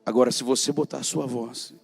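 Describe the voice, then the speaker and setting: Brazilian male preacher, gravelly, emphatic, loud calls and quiet asides, soft music bed. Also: mid-range voice, fairly even intonation, brisk. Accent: Brazilian Portuguese. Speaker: prophet preacher. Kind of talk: sermon.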